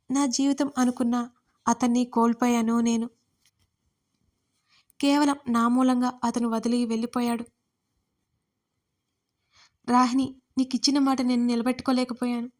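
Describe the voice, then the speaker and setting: A woman's voice: on the high side, a little mellow. A woman narrating a first-person audio love story, emotional and tearful in her telling. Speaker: writer and narrator.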